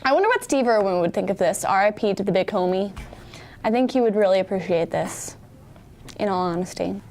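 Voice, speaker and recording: A woman's voice: fairly quick, a little hiss or hum. A young woman co-hosting a student news show, chatting casually with lots of "like" and reading news items in between. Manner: animated, lots of "like", lively swings in pitch.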